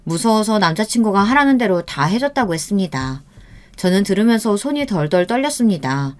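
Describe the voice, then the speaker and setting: A woman narrating a true-life story in the first person, in a steady, earnest scripted reading. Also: medium pitch, a little fast.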